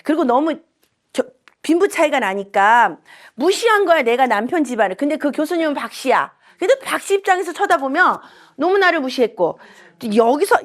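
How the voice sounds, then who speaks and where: A woman's voice: high voice, normal speed. A middle-aged woman who works as a shaman and saju teacher, giving a casual lecture full of personal stories and acting out the voices of people she quotes. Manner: chatty, animated storytelling, acts out quoted voices.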